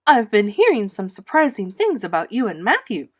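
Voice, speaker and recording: A woman's voice: medium pitch, big pitch swings, moderate pace. Woman as Rachel Lynde, blunt busybody neighbour. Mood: nosy, sympathetic. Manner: emphatic, outspoken, bossy. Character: blunt, disapproving older busybody neighbour woman, easily horrified.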